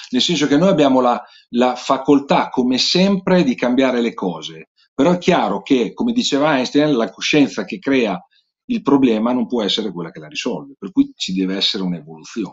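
A man speaks at medium pitch and a fairly quick pace over a quiet background. His pitch swings very widely, and his loudness rises and falls sharply. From northern Italy. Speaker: band musician. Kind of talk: interview. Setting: video call. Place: home room. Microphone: webcam.

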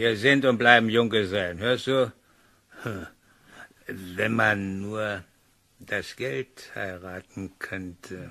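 Putting on a gruff character voice, a man speaks very slowly at a fairly low pitch, with ordinary pitch variation and long, frequent pauses. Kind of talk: German radio crime comedy. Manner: gruff, curses constantly.

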